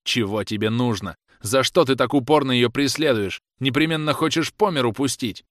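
A man's voice: mid-range voice, expressive, moderate pace, fairly bright tone, dry recording, clean studio sound, lightly acted. A man voicing a jealous, furious young man who hurls accusations at his lover in a raised, scornful voice. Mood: angry. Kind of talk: audiobook character reading.

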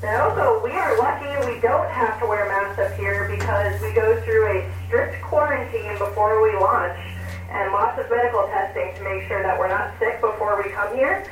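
A woman astronaut patiently answering children's questions over a ham radio link with static bursts. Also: mid-range voice. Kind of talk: plain explaining for children. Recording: distant echoey radio with noise.

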